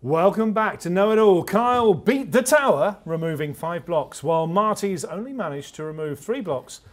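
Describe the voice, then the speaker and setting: A man's voice: sits high, animated, normal speed. A man playing an upbeat TV quiz show host, presenting and commentating with suspense and emphatic delivery. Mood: excited. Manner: builds suspense, counts down emphatically.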